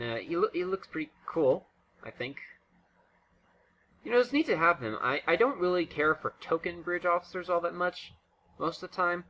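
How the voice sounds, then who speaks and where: A man's voice: mid-range voice, bright, forceful tone, slight background noise. A man giving casual, unscripted game commentary in a rambling, self-interrupting way. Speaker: gaming video creator.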